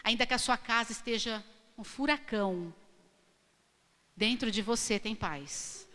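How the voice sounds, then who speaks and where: High bright woman preaching in a hall. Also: unhurried. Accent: Brazilian Portuguese. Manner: emphatic, questioning the congregation. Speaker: pastor. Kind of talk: sermon. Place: church hall. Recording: long hall reverb.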